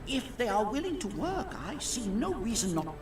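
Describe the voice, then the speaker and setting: A woman's voice: fairly high pitch, very animated, moderate pace. A woman acting an optimistic, approving noblewoman on a council in a fantasy game. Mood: approving, assured. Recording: roomy, distant game audio under music.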